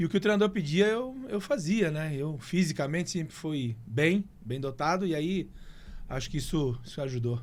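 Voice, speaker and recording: Here is a man with a plain, everyday voice and fairly high pitch. He speaks at a moderate pace with lively intonation. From interior of São Paulo state, Brazil. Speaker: former footballer and coach. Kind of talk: interview.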